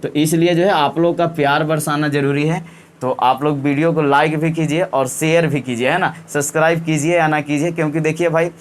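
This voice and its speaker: A man with a slightly high voice teaches in a relaxed exam-prep style. He repeats each point and keeps checking with his students by ending sentences with a question tag. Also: a little fast. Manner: repetitive, coaxing, often ends with "है ना". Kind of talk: casual exam-prep lesson.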